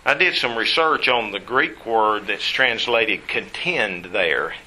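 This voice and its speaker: A man's voice: lowish voice, lively intonation, slow pace, pushed and bright, low-quality recording. A man preaching a Bible study sermon, stressing key words by repeating them and putting questions to his listeners.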